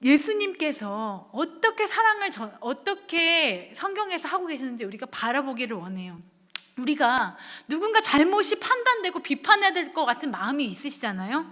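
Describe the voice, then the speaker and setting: A young woman pastor delivers an earnest, emotional sermon in a church. Her very high, sharp voice rises and falls a great deal. A long hall reverb trails each phrase. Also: very animated, moderate pace. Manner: earnest and emotional, voice breaking into tears at times. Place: church sanctuary.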